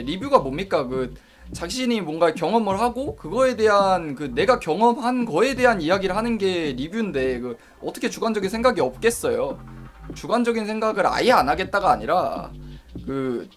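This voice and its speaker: A man streaming live, reasoning aloud about reviewing novels, often stopping to correct himself and answer chat. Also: high voice. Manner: reads and answers viewer chat; says he doesn't use a dialect.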